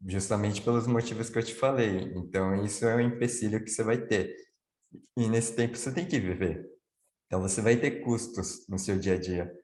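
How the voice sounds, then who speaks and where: A man's voice: fairly low pitch, brisk, darkish tone, roomy sound. A man on a video call explaining things at length, answering his own questions as he goes. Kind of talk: live online Q&A chat.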